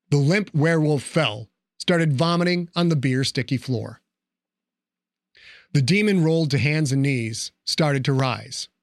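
Guy narrating an audiobook, gravelly voice a bit on the high side, dry close sound. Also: no room sound. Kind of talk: scripted narration.

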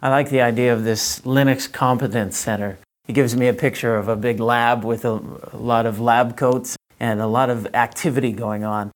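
A man's voice: medium pitch, fairly even intonation, moderate pace, few pauses. A man acting as interviewer, putting questions and comments to guests in a conversational style.

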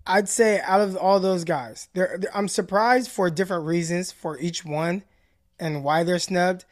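A man co-hosting a sports podcast, talking in a passionate, deliberate and emphatic way. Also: high voice, steady tone. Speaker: podcast co-host. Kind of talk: casual sports chat.

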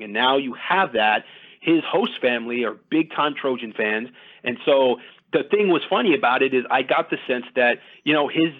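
A man giving casual, detailed sports recruiting analysis as a guest, talking conversationally at length. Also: mid-range voice. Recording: thin phone-like audio.

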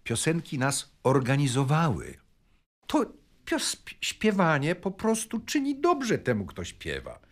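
An older man reminiscing in a reflective, halting manner. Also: a little high, wildly swooping pitch. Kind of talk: reminiscing interview.

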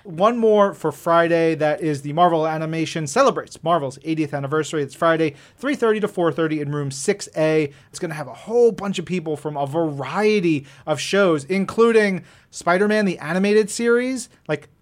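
A man with a slightly high voice talks as a podcast co-host. His delivery is casual and chatty, with an enthusiastic, jokey and informal manner. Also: normal speed, hardly any pauses. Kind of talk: casual chatty event preview.

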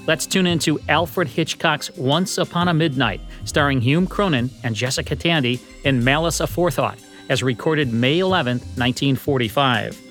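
A man's voice: fairly high pitch, moderate pace, few pauses, fairly bright tone, soft background music. An American man co-hosting a podcast with scripted narration. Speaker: podcast co-host.

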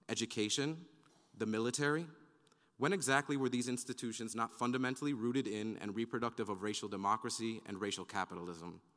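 A man reading prepared academic remarks as a conference panelist, with a measured, formal delivery. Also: lowish voice, fairly bright tone. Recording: long hall reverb.

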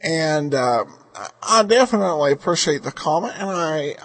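Casual male podcast host. Higher-set, animated voice, stumbles and repeats words while commenting. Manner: halting, stammering, repeats words.

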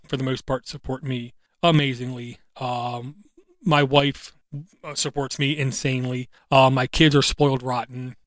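A man's voice: mid-range voice, no room sound. A man in his thirties hosting a solo podcast, earnest and reflective, with a slight speech impediment that brings out an occasional stutter. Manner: earnest, reflective, halting with fillers. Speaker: podcast host.

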